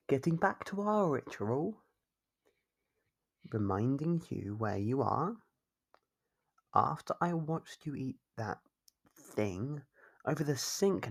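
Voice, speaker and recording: Performer playing a possessive yandere captor, ASMR roleplay, raspy, fry-laden voice, coaxing, chiding, mockingly doting. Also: mid-range voice, heavily acted. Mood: scolding, possessive. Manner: coaxing, chiding, drawn-out teasing questions. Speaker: voice actor.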